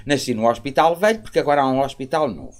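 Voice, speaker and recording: A middle-aged man with a European Portuguese accent hosts a live talk from home. His pitch swings widely as he rambles through viewer questions. His voice sits at an ordinary male pitch. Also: animated, fast. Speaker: spiritist live-stream host. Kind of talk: live stream talk with callers and comments.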